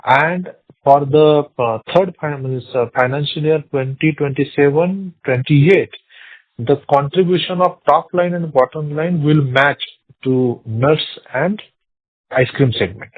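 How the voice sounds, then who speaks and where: A man's voice: a little high, no room sound. Indian-accented executive man on a tinny phone line. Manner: halting, repeats words and phrases. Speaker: company executive answering investor questions. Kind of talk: earnings call answers. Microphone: phone conference call.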